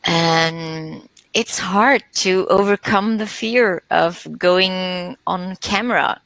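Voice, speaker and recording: A woman speaking hesitantly in a reflective conversation, often pausing to search for words. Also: fairly low pitch, a bit bright, no room sound. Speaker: panel guest.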